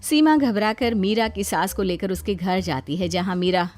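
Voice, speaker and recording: A woman narrating a cartoon moral story in an expressive storytelling manner. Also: medium pitch, moderate pace, faint music behind.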